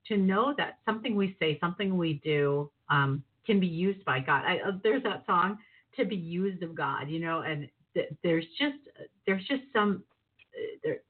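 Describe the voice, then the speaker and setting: A woman's voice: fairly low pitch, lively intonation, moderate pace, slightly rough. Enthusiastic woman host on a tinny line. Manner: warm, enthusiastic, loose and rambling. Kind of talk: casual Christian interview chat. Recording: tinny phone-like audio.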